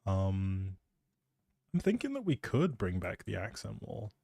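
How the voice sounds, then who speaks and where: Male streamer, soft mellow tone, casual teasing ramble, close dry mic. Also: on the low side, huge pitch swings, unhurried, creaky, breathy edge, no echo. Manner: playful, teasing, thinking aloud. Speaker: live streamer.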